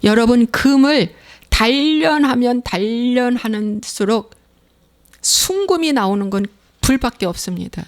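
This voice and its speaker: A woman's voice: a little high, expressive, a little slow. A middle-aged woman pastor preaching a sermon, emphatic and repeating her phrases. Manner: emphatic, repeats phrases, acts out inner voices.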